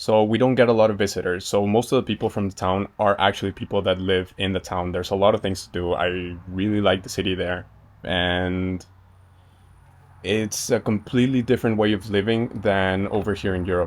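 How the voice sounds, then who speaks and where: A man with an ordinary speaking voice and an American accent, fairly low in pitch, fairly even in intonation, at a fairly quick pace. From northern Mexico, Monterrey. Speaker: university student interviewee. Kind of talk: casual interview.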